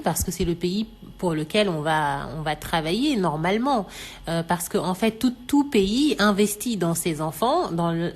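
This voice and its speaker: A woman from Senegal explaining on a radio talk show, measured and thoughtful, with many fillers. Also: lowish voice. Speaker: radio show expert guest.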